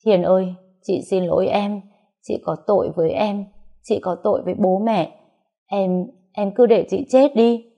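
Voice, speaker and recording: A woman's voice: lowish voice, moderate pace, dark tone, highs cut off, lightly acted. A woman voicing a weeping, remorseful older sister who pleads and frets. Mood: tearful. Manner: tearful, pleading.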